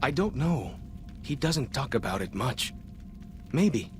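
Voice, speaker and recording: A man playing a young, earnest tribal scout and guide in a video game, plain-spoken with simple, slightly halting phrasing. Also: mid-range voice, sing-song, music in the background. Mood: helpful, earnest. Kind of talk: video game cutscene dialogue.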